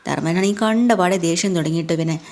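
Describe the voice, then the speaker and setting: A woman's voice: on the low side, fast talker, darkish tone. A woman casually retelling a TV serial episode for her viewers, chatty, with friendly tag words at the ends of her lines. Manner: chatty, tag-ending asides. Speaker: serial recap narrator.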